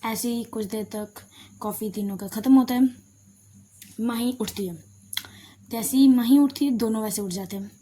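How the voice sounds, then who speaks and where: A woman's voice: a little high, normal speed, pauses often, mellow, slight background noise. A woman narrating a love story casually, chatty and informal with fillers. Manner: chatty, addresses listeners as "bhai".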